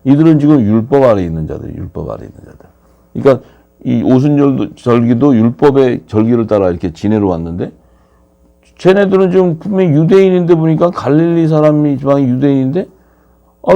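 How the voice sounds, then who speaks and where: Mellow-voiced Korean man preaching. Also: vocal fry. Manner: animated, asks the audience questions, pitch swings widely. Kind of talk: sermon.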